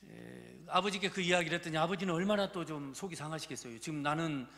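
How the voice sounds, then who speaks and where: A man's voice: a little high, animated, fast, gravelly, fairly bright tone. A male pastor telling a story in a sermon, in a conversational way with many fillers and rhetorical questions. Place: church sanctuary. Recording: long church hall reverb.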